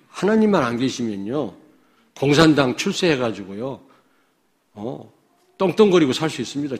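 A pastor from Chungcheong, South Korea, preaches a sermon that swings between loud declarations and low asides to the congregation. He asks many rhetorical questions.

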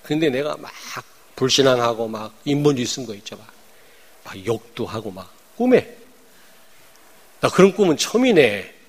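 Lively-pitched man preaching a sermon. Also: moderate pace, pauses often, slightly rough. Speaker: pastor.

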